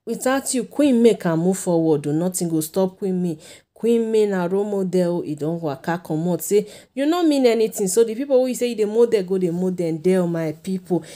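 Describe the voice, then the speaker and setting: A woman's voice: medium pitch, expressive, a little fast, warm tone. A woman with a Nigerian accent hosting a gossip channel, talking chattily to her viewers in Pidgin and calling them "my people" again and again. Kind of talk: casual gossip commentary. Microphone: voice-over.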